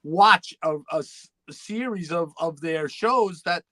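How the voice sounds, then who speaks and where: A man's voice: a little high, a little slow, bright, forceful tone, dry recording. A man hosting a casual interview, rambling his way toward each question. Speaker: host, interviewer. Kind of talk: casual chat.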